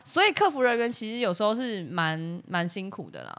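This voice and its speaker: A woman's voice: mid-range voice, very animated, fairly quick, a bit bright. A woman with a Taiwanese Mandarin accent, co-hosting a casual comedy podcast, complaining in a wry, exaggerated way. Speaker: podcast co-host.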